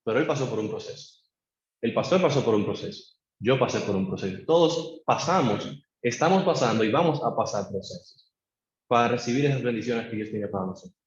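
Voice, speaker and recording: A man delivers a sermon in an echoey church, acting out a believer's pleading questions to God and leading the congregation in call-and-response as they repeat after him. His medium-pitched voice is expressive and brisk. The recording sounds dull and low-fi.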